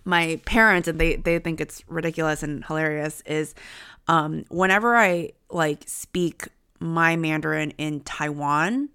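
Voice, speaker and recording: A woman's voice: low voice, a little slow, a bit bright, smooth. A young woman from the United States, a podcast co-host, talking casually and using many filler words. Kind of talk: casual conversation.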